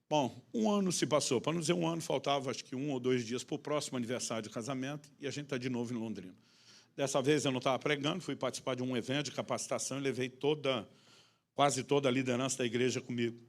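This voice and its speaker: A man's voice: medium pitch, quick pace. A man preaching a sermon as a pastor, telling a personal story with humor and acted dialogue.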